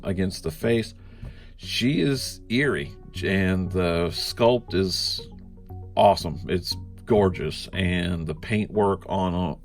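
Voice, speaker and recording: Deep gravelly man, congested. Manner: rambling, laid-back, frequent fillers. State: congested from a cold. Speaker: collectibles reviewer. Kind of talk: casual unboxing review.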